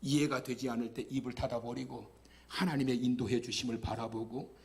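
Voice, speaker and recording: A male guest pastor preaching a lively sermon at a Friday night church service, joking and having the congregation repeat phrases after him. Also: mid-range voice, brisk, vocal fry.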